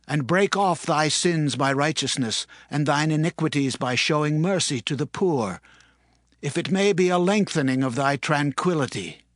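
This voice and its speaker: A man's voice: on the high side, no room sound, clean studio sound, natural voice. An actor playing an earnest, respectful prophet who solemnly counsels his king in a dramatized scripture reading. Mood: earnest pleading.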